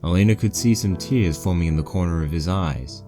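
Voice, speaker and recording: A man's voice: deep voice, fairly quick, mellow. A man reading a fan fiction story aloud as scripted narration. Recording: poor-quality mic with music bed.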